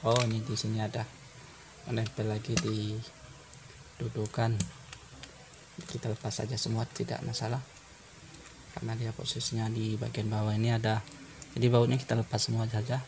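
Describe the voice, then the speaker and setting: A man explains a hands-on task step by step in an informal tutorial style. His delivery is halting and very even in pitch, with a gravelly creak. Clear ambient noise runs through the home-made recording. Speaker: phone repair tutorial presenter.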